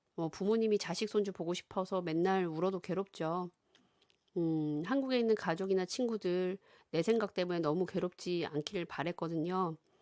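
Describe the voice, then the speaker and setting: A woman speaks at a medium pitch with ordinary pitch variation. The recording is very clean, with a silent background and a dry, close sound with no echo. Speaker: psychological counselor and YouTuber. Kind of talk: casual vlog monologue. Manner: speeding up, fast.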